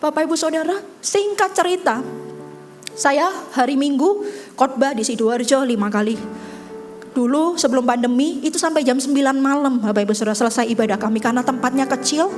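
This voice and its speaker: A woman pastor, telling a story in an animated sermon and often calling out to the congregation. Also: high voice, fairly quick, soft background music.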